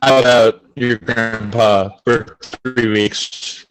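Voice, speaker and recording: A man's voice: medium pitch, fairly even intonation, drawn-out words, fairly bright tone. A man co-hosting a podcast from home over a call, joking and laughing at himself. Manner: joking, self-deprecating, laughs often. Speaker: podcast co-host. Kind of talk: casual chat. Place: home, recording remotely. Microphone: headphones with mic on a video call.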